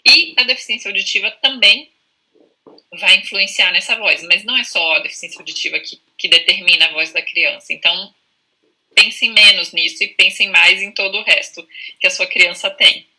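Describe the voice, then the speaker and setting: A Brazilian woman with a very bright voice and a husky edge talks over a video call. She explains patiently, as a speech therapist would, and often checks in with a quick tag at the end of her sentences. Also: mid-range voice, low-quality recording. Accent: Brazilian Portuguese. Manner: calm, explanatory, frequent "né?" tags. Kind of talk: conversational explanation in a live video chat.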